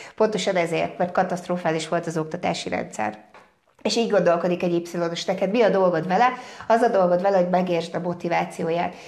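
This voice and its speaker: Over noticeable background noise, a woman speaks at a very fast pace in an animated tone. Her pitch variation is ordinary. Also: fairly low pitch for a woman. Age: 40s. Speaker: self-development trainer. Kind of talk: live stream talk. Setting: live Facebook broadcast.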